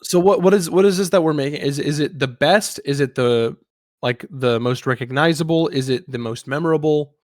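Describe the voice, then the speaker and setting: A man's voice: a little high, a little fast, dry recording, clean studio sound. A man co-hosting a casual gaming podcast, bantering in an informal, conversational style. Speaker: podcast co-host.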